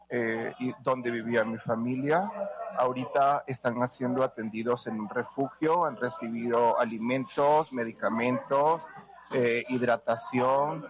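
A man's voice: medium pitch, poor audio. Man in his thirties. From Venezuela. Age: 30s. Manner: plain, slightly hesitant. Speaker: interviewee.

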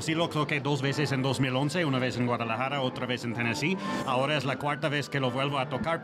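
A man from Indiana, a violin soloist answering interview questions in earnest, slightly halting phrasing. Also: mid-range voice. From Indiana, United States.

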